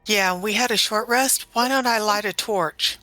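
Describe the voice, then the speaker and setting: A woman's voice: mid-range voice, moderate pace, bright, forceful tone, no room sound, faint music behind. A woman talking casually as a player in a tabletop role-playing game.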